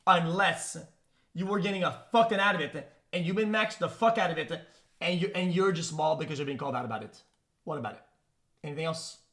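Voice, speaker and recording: A man on a live stream reacts to a video with a rapid, profane rant aimed at his chat. his voice sits a little above the usual pitch, and he stumbles over and repeats his words as he pushes his argument. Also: fairly bright tone.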